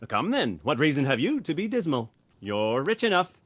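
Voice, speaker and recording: Man playing a cheerful nephew, wildly swooping pitch. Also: big pitch swings, normal speed, slight background noise. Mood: earnest pleading. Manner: earnest, exclamatory, theatrical. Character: Scrooge's cheerful, earnest, warm-hearted nephew. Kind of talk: radio play acting.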